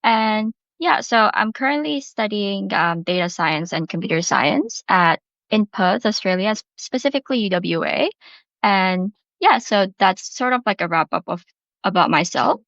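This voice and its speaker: A young woman from Indonesia speaks with an Indonesian accent in a chatty, informal storytelling style. Her pitch sits in the middle for a woman. The recording is very dry and a little dull, like a casual podcast. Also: expressive, normal speed, creaky, fairly bright tone, no room sound. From Bali, Indonesia. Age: early 20s. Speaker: podcast guest, university student. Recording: slightly dull, lo-fi audio.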